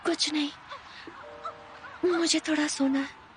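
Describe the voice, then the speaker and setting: A woman dubbing a tender, troubled young woman in a romance drama, speaking softly. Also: sits high, steady tone, faint music behind. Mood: quiet. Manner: soft, unhurried, tearful at times. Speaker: female lead in a dubbed romance drama. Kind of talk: dubbed drama acting.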